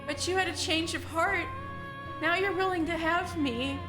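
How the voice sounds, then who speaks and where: A woman voicing a tearful young woman in a romance story read aloud, her voice high and quavering. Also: moderate pace, music in the background. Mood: overjoyed. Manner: pleading and teasing. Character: emotional young woman, tearful then overjoyed lover.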